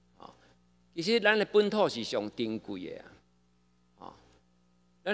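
A man at a medium pitch, with very wide pitch swings. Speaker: city councillor. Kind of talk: council interpellation. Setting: council chamber.

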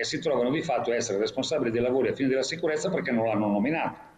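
A man's voice with audible room echo. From Sardinia. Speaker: condominium administrators' association president, engineer; remote guest. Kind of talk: TV interview. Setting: TV studio. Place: office. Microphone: webcam.

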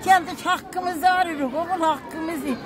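A woman's extremely high pitch with fairly even intonation at a moderate pace, dry sound with no echo, and crowd noise in the background. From Erzurum, eastern Turkey. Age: 80s+. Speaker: protesting resident. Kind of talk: interview answer. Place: open country. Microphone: phone near.

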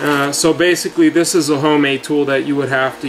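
A man speaks at a moderate pace, with noticeable background noise behind him. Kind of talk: tutorial. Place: workshop. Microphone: camera far.

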